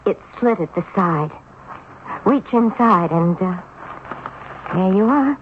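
An actress playing a helpful, calm woman in a radio drama. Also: medium pitch, slow pace, a little hiss or hum. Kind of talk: old-time radio drama acting. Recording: thin, phone-like old radio recording.

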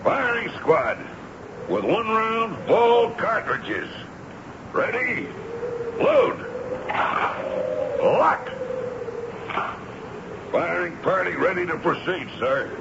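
An actor playing an army sergeant who calls out drawn-out military commands in a radio drama. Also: male voice, high voice, wildly swooping pitch, gravelly, heavily acted. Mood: barking, dutiful. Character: army sergeant barking firing squad orders. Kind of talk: 1970s radio drama acting. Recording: dull, noisy radio broadcast recording.

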